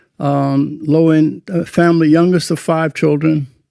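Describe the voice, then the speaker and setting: On a very clean recording with a silent background, a man with an American accent talks at a moderate pace in a dark, mellow tone with monotone, flat intonation. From US North. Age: 80s+. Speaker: Air Force veteran. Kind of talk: interview. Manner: halting.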